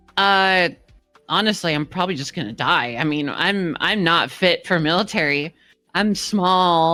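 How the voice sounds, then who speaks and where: A woman with an American accent, her pitch fairly low and ordinarily varied, at a moderate pace with music in the background. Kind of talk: casual, self-deprecating.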